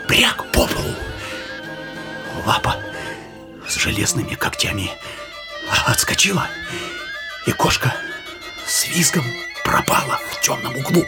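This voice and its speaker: A young man in a radio play, telling his sweetheart an old tale in a tender, teasing way. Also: high-pitched. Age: young adult.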